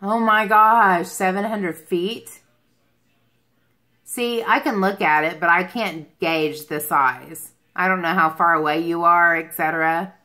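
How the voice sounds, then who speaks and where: A woman of about forty-six hosts a casual livestream from a room at home. Her voice sits a little low but has a clear, bright edge. She talks in a loose, rambling way, hopping between thoughts as she takes questions. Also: fairly even intonation, a little slow. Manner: rambling, jumps between topics. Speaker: beauty livestream host. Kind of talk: casual livestream chat answering viewer questions. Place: small furnished room at home, indoors.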